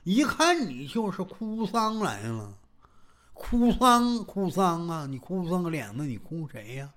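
A woman's voice: fairly low pitch, big pitch swings, unhurried, fairly bright tone. A woman storyteller voicing a brash, impatient young male martial hero who talks bluntly and stammers when startled. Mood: irritated.

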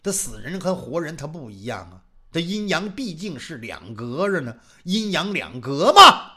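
Animated storyteller, man. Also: a little high, moderate pace. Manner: animated, dramatic, voices every character. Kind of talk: traditional Chinese oral storytelling.

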